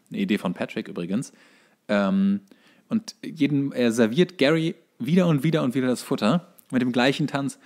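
A man's voice: medium pitch, darkish tone. A man co-hosting a podcast, chatting casually as he retells cartoon episodes. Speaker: podcast co-host.

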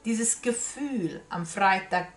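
A woman with a medium-pitched voice gives viewers a casual tarot reading, speaking slowly with hesitant phrasing and frequent repetition. She sits in a small room crowded with statues and cards, and the camera's distance gives the sound a roomy echo.

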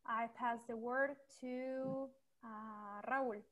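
A woman's voice: fairly high pitch, steady tone, extremely slow, fairly bright tone. A young woman from Durango, Mexico, introducing herself on a video call through earphones, hesitant and restarting. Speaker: workshop participant. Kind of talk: casual self-introduction.

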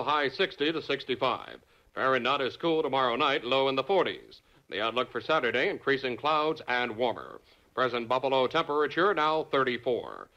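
A man's voice: medium pitch, bright, forceful tone. A man reading an old-fashioned radio news bulletin in a formal announcer manner. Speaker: radio newsreader. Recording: dull old radio broadcast.

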